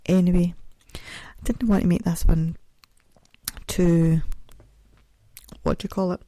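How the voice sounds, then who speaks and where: Speaking slowly with a flat delivery, a woman with a deep, dark-toned voice hosts a home podcast, chatting in a self-mocking ramble and occasionally singing snatches. She minds a mouth sore from recent dental work, and the audio-only recording is dry.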